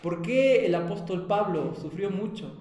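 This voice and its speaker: A man with a Peruvian Spanish accent leads a children's Bible lesson, his voice pitched a little high. He keeps asking the children questions. The recording is echoey, as if made in a hard-walled room. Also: animated, a little slow, darkish tone. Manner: asks the children frequent questions. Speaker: Sunday school teacher.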